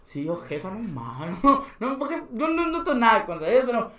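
Animated Mexican man telling stories. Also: very high-pitched, normal speed, crowd noise. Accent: Mexican Spanish. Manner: animated, laughs often, acts out other people's voices. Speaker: podcast guest. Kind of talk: casual storytelling. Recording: echoey room.

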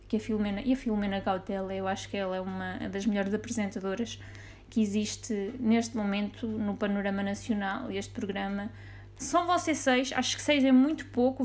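A woman's voice: mid-range voice, darkish tone. A woman with a European Portuguese accent hosting a casual solo podcast, chatty and playful, laughing at her own jokes. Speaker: podcast host.

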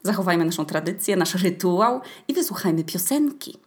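A young woman hosts a casual solo podcast monologue, speaking at normal speed in a low-leaning, animated voice. Her talk is chatty, colloquial and playfully ironic.

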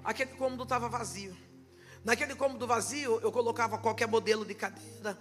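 A Brazilian woman pastor giving a testimony sermon at a church service, impassioned and rising to shouted preaching. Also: on the high side, steady tone, brisk, soft background music. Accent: Brazilian Portuguese.

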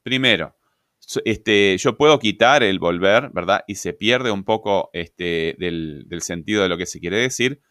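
A man's voice: sits low, animated, unhurried, a bit bright, smooth, no echo, studio quality. A man giving a grammar lecture, explaining patiently and checking in with "¿verdad?" and "este". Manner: explanatory, asks rhetorical questions, frequent "¿verdad?" and "este" fillers. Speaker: grammar teacher.

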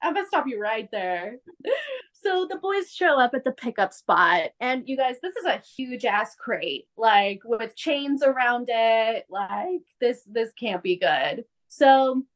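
A young woman with a fairly high voice tells a TV episode's plot in casual podcast chat. She acts out each character's lines, her voice leaping up and down as she goes. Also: takes it slowly. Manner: animated storyteller, acts out characters' lines with big pitch jumps. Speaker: podcast co-host recapping a TV episode.

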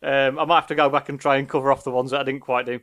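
Rapid-talking, jokey podcast man. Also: medium pitch, little pitch movement, fairly bright tone. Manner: self-deprecating, jokey. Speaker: podcast co-host. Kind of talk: casual comic banter.

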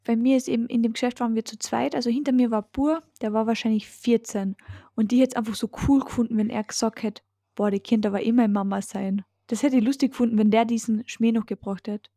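Austrian girl cohost, blunt, swears casually, mellow voice, dry close mic. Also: a little high, fairly even intonation, quick pace, dry recording. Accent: Austrian German. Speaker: podcast co-host. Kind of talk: casual chat.

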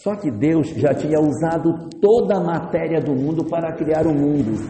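A man's voice: on the high side, moderate pace, mellow. Man, storytelling lecture, long reverb, faint noise. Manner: conversational, storytelling. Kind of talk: storytelling talk on love. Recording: echoey hall, faint noise.

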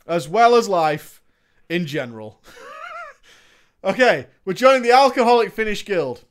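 A man reads a gaming tale aloud in an animated, sarcastic way. His voice sits high, and he often breaks into laughter. The pitch swings widely from line to line. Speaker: story reader. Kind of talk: comic reading of a gaming story with asides.

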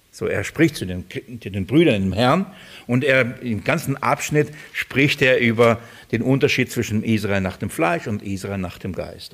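A man giving a sermon, emphatic and repeating phrases for stress. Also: mid-range voice. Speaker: preacher.

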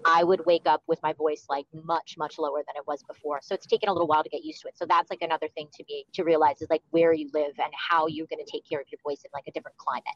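A woman's voice: low voice, fairly even intonation, racing, hardly any pauses, dull audio. A woman from New York, a voice actor chatting casually on a panel about caring for her voice, often saying "like". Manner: chatty, practical, uses "like" often.

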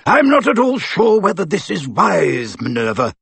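A man's voice: sits high, huge pitch swings, moderate pace, vocal fry, fairly bright tone, breathy edge, no echo, pitched above the performer's own voice, heavily acted. A man voicing a portly, anxious older male professor who puffs and drags out his words. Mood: flustered.

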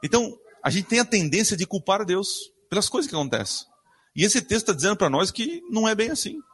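A man's voice: high-pitched, very animated, a little fast, a bit bright, slightly rough. A man preaching a sermon, reading Bible verses aloud and questioning his congregation in a church. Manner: asks the congregation questions and answers them himself.

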